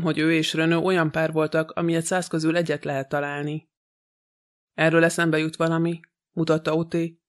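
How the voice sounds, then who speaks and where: Guy reading an audiobook, kinda high voice, super flat delivery, really clean smooth tone. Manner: even, measured reading with little pitch movement. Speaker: audiobook narrator. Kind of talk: scripted audiobook narration.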